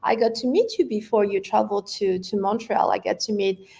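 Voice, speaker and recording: A woman's voice: medium pitch, steady tone, fairly quick, gravelly, mellow. A woman in her fifties with a French accent, a native French speaker, talking reflectively as an interview guest with frequent restarts. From France. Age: 50s. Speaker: guest, language educator. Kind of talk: conversational interview.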